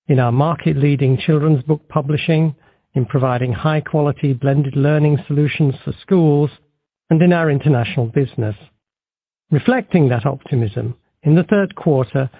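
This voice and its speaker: A man reading a formal, measured scripted corporate presentation as a company executive on an earnings call. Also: medium pitch, vocal fry, slightly rough, dry recording. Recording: tinny, band-limited phone line.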